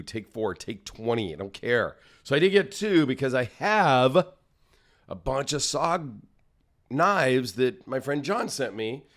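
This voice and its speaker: A man talks casually straight to camera, his voice a touch raspy and tired after a long trip. He rambles along in a friendly, self-deprecating way at an ordinary mid pitch. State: slightly raspy, tired from travel. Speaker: knife channel host. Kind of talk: casual solo vlog.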